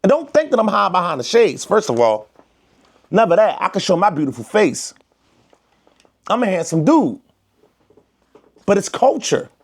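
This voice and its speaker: A fairly high-pitched man with an African American Vernacular accent talks straight to the camera in an emphatic, preaching way. He is from the United States and leans heavily on slang. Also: very animated, moderate pace, long pauses. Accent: African American Vernacular English. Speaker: vlogger. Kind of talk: direct-to-camera commentary.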